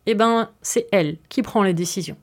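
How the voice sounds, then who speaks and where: A woman's voice: medium pitch, moderate pace. Woman podcast host with a chatty, easygoing delivery, talking straight to her listeners with frequent asides. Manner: chatty, explains with fillers and asides. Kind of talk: casual explanatory podcast monologue.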